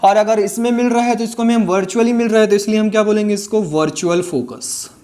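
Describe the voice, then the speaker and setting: A man's voice: high voice, fairly even intonation, fast talker, a little mellow. A man teaching a physics lesson in Hindi mixed with English, explaining step by step, repeating key phrases and often asking students if they follow. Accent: Indian English terms mixed into Hindi. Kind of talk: classroom lesson.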